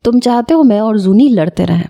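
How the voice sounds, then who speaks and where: A woman's voice: a little high, lively intonation, dark tone. A woman voicing a middle-aged aunt who scolds her son with affection. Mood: scolding.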